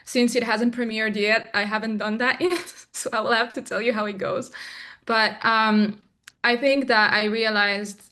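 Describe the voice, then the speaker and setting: A young adult woman from Morocco, a filmmaker guest in an interview, speaking reflectively with frequent pauses and restarts. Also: a little high, fairly even intonation, sharp tone. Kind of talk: interview conversation.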